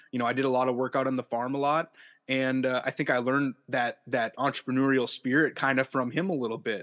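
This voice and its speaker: With an American accent, a man of medium pitch speaks at a fairly quick pace in a monotone, flat intonation against a quiet background. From central Minnesota, small town. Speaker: entrepreneur and hunting guide. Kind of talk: casual interview. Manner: halting, many repetitions.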